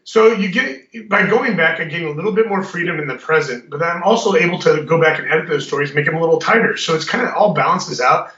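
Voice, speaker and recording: A man's voice: on the high side, quick pace, hardly any pauses, fairly bright tone. A man being interviewed as a guest author, chatting with stumbling restarts. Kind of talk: casual interview. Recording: roomy, distant, lo-fi audio.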